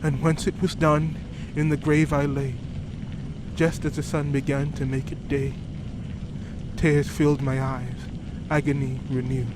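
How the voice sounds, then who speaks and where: Over clear background noise, a man performs a grieving old-timey British gentleman in a gothic horror poem. He is solemn and theatrical, lovesick and tormented, with a slightly raised male pitch and measured phrasing. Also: level tone, close to an everyday voice. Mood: mournful, haunted. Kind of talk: dramatic rhyming horror poem narration.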